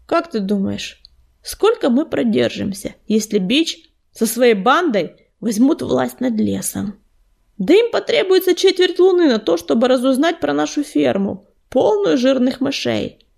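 A woman's voice: sits high, lively intonation, measured pace, creaky, darkish tone, full character voice. A woman voicing a weary, plain-spoken loner tomcat living on a farm.

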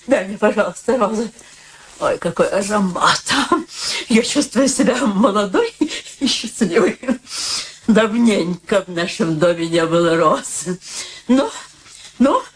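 A woman's voice: mid-range voice, lively intonation, unhurried, lightly acted. An actress playing a frail elderly mother in a radio play, with a plaintive, effusive way of talking. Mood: delighted, gracious. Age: older. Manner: plaintive, effusive, repeats exclamations. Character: frail, dying elderly mother, fretful, sociable, theatrical.

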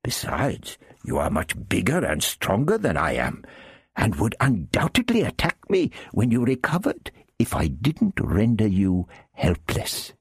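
A man voicing a wily, overly polite male thief who fawns and keeps flattering his captive. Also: fairly low pitch, measured pace, slightly rough, no room sound, studio quality, voice pushed up, heavily acted. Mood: wheedling. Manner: fawning, keeps saying my lord.

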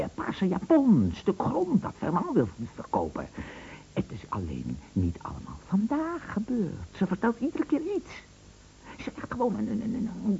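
An actor in a radio drama playing a jealous, scornful husband who talks in a sarcastic, insinuating way with emphatic repetitions. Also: male voice, sits high, gravelly, dark tone, heavily acted. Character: bitter jealous husband, scornful and taunting, set on exposing lies. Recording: dull, noisy old radio play recording.

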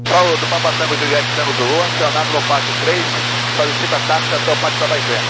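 A man, a pilot, calling the control tower in brisk, clipped phrases over a two-way aviation radio. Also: fairly high pitch, little pitch movement. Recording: static-heavy radio transmission with hum.

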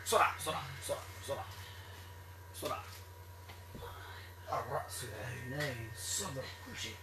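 A man with a Moroccan Arabic accent, performing an exorcism ritual in a stern, repetitive, commanding way that sometimes turns to shouting. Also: medium pitch, expressive, brisk. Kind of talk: ritual commands to a possessed person. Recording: echoey room, distant mic, noisy.

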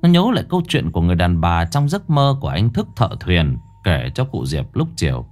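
A man's voice: low voice, brisk. Guy telling a scary ghost story, voice rises and falls a lot, faint music behind. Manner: dramatic, expressive delivery. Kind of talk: scripted horror story narration.

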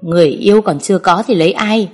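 Hot-tempered big brother, rushed and blunt, read by a woman. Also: medium pitch, darkish tone, faint music behind, close to an everyday voice. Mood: brusque. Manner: brusque, hurried.

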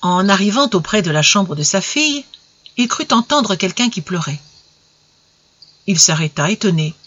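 A narrator reading an old story aloud in a measured, expressive way. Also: medium pitch, muffled recording, a little hiss or hum.

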